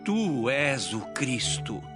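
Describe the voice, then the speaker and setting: A man voicing an earnest male disciple in a dramatised Bible reading, speaking deliberately. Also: mid-range voice, very animated, over music, voice pushed down. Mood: earnest, declaring.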